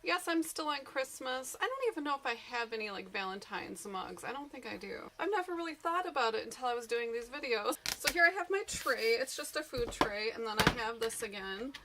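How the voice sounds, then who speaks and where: A woman's voice: fairly high pitch, animated, brisk, hardly any pauses, background noise. A woman reselling jewelry online, chatting casually and rambling as she unboxes a haul in a morning voice. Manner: chatty, rambling, thinking aloud. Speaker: eBay reseller vlogger.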